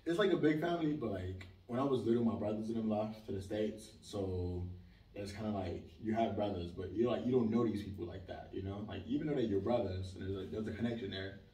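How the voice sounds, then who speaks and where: Young male guest, low pitch, animated casual talker, distant mic with room echo. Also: fairly quick. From Israel. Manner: animated, emphatic, leans on filler "like". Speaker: interview guest. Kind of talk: casual conversational interview. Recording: roomy sound, mic at a distance.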